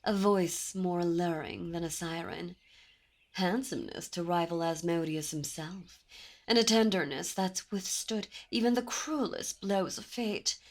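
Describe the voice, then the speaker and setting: A woman voicing a dominant, possessive demon princess in an ASMR roleplay, speaking in a silky, commanding way with soft whispers. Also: lowish voice. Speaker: voice actor. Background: birdsong and ambient sound effects.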